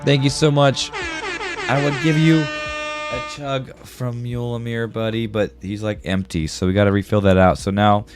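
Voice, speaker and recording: Music plays under an art livestream where a man chats casually while he draws. His medium-pitched voice is steady and a little slow, roughened by a sore throat and congestion. He's friendly and slangy with his viewers.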